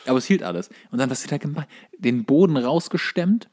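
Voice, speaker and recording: A man's voice: mid-range voice, lively intonation, fairly quick, darkish tone. A man telling anecdotes in casual chat as a podcast co-host.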